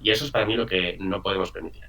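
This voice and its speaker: A man's voice: sits low, steady tone, rapid-fire, vocal fry, pushed and bright, low-quality recording. A young man from the Canary Islands, speaking in an interview and arguing his views earnestly, with many fillers and tag questions. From Canary Islands, Spain. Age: young adult. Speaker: interview guest. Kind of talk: political interview answer.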